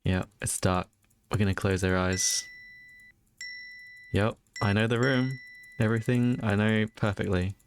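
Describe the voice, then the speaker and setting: A man's voice: lowish voice, fairly even intonation, unhurried, long pauses, slight background noise. A man giving casual, rambling let's play commentary as a streamer, often interrupting himself in a conversational way. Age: adult, past his teens. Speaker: video game streamer. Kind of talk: casual let's play commentary, reading game text aloud.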